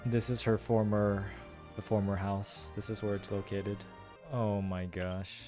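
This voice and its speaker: A man with a fairly low voice commenting casually on a game as he plays. He muses and analyses aloud, often repeating phrases for emphasis, over background game music. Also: level tone, unhurried, darkish tone. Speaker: gaming streamer reacting to a story quest.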